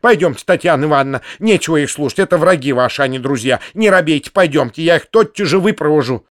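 A man's voice: on the high side, lively intonation, fast talker, natural voice. A man reading an audiobook, voicing a furious middle-aged noblewoman who scolds and shrieks. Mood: raging. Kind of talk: audiobook character voice.

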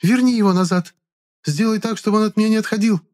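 A man voicing a hysterical young woman who shouts, whines and pleads through tears. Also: steady tone, brisk, close to an everyday voice. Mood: shrill, furious. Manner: shrill, shouting, whiny. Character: hysterical young woman, shrill, demanding, tearful.

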